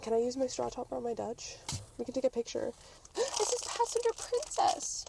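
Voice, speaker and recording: A woman with a fairly high voice hosts a casual podcast on the go. She is chatty, giggly and playful. Clear ambient noise from vehicles sits behind her. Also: very animated, moderate pace. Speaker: podcast host. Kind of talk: casual chat. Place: on the go, around parking lot and car. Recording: noisy on-location recording with vehicle ambience.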